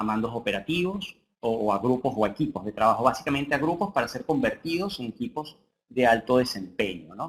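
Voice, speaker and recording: A man with a Venezuelan accent and lively intonation. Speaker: coach and humorist. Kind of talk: webinar presentation. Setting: online webinar. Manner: hesitant, many fillers.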